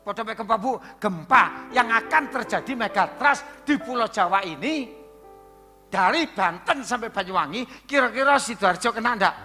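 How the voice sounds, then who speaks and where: A man's voice: high-pitched, expressive, moderate pace, pushed and bright. A male pastor, preaching a sermon in a conversational way, asking the congregation questions and dropping in words. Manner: mixes in Javanese words. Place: church hall. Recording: reverberant church hall with music.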